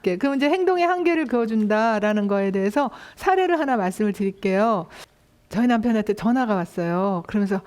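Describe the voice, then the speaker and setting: A woman giving a lecture on parenting, telling an anecdote in a lively way and acting out the voices of the people in it. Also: medium pitch, fast.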